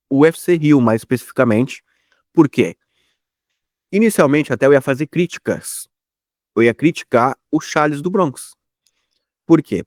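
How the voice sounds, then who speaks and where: A man's voice: medium pitch, a little mellow, no echo, clean studio sound. A Brazilian man co-hosting a podcast, chatting and giving his opinions as a sports commentator.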